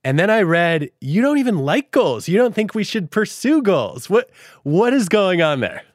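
A man's voice: high voice, very animated, moderate pace, no room sound, studio quality. A man hosting an interview podcast who asks questions with curious enthusiasm. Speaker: podcast host, psychologist.

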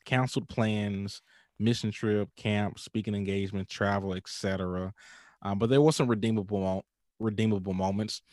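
Low-voiced African American man in his thirties. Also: fairly even intonation, moderate pace, a little mellow, no echo, clean studio sound. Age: 30s. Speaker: pastor and podcaster. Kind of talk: casual podcast interview.

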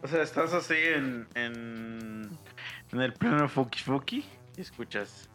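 A man with a Mexican accent telling crude comic stories on a podcast, breaking into falsetto impressions. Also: unhurried, soft background music. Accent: Mexican Spanish. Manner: animated storyteller, jumps into falsetto impressions. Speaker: podcast co-host. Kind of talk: crude comedic banter.

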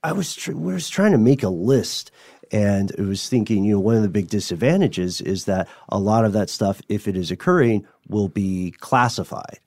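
A man hosting a conversational podcast interview, articulate and measured, with a rather formal choice of words. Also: fairly low pitch, lively intonation, a little mellow, no room sound, studio quality.

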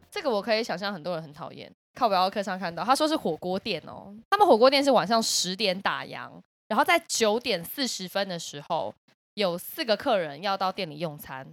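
Woman, lively swooping pitch, dry sound. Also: no echo, soft background music. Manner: expressive, quick reactions. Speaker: podcast co-host. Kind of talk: casual chat.

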